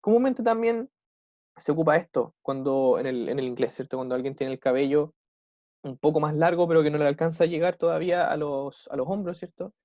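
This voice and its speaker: A young man with a Chilean Spanish accent teaches an English class online, explaining vocabulary. His voice is on the high side and dark, with no echo, and he keeps checking in with students, slowing right down to model English phrases.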